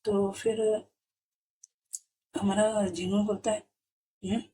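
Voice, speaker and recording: A woman tells a comic's story in a casual, chatty recap, talking straight to her viewers and filling gaps as she goes. Her voice is mellow and warm, at an ordinary pitch. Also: fairly even intonation, normal speed, a little hiss or hum, poor audio. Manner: chatty, with many fillers, addressing viewers directly.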